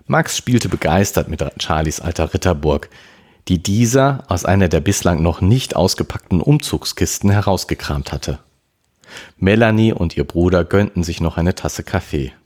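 A man reading a novel aloud as narrator, in an even storytelling manner. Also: low-pitched, normal speed. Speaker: audiobook reader.

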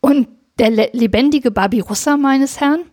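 A woman voicing a calm, formally deferential young male servant in a read-aloud story. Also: high-pitched, normal speed, pitched above the performer's own voice.

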